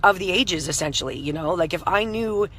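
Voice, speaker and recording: A woman in her thirties with a hoarse, scratchy voice, giving a chatty motivational talk on a live stream and greeting viewers by name. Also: fairly low pitch, animated, brisk, fairly bright tone. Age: 30s. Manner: chatty, full of "you know" fillers, greets viewers by name. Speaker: entrepreneur hosting a live stream.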